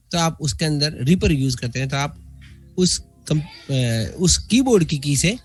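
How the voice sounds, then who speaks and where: A man giving a spoken online lesson on music keyboards, explaining step by step with fillers and restarts. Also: fairly high pitch.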